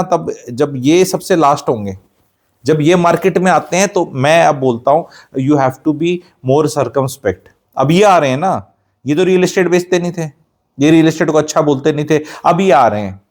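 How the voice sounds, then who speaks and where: A man from Haryana hosts a real estate channel, delivering a blunt, sarcastic, lecturing monologue packed with rhetorical questions. His voice is fairly high with a darkish tone, and he mixes Hindi and English in this opinionated talk.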